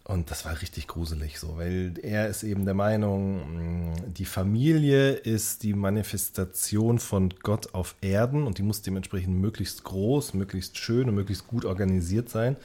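A man's voice: low voice, moderate pace, few pauses, warm tone. A man, a podcast co-host talking casually and wordily, often rephrasing himself as he goes. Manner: wordy, self-correcting, circles around his point. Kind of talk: casual conversational podcast chat.

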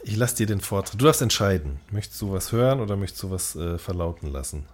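A man's voice: deep voice, animated, quick pace. Man chatting casually on a podcast. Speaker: podcast co-host.

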